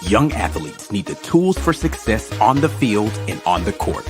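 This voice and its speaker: A man's voice: on the low side, very animated, moderate pace. A man reading a scripted promotional voiceover for an advert in a polished announcer style. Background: electronic music.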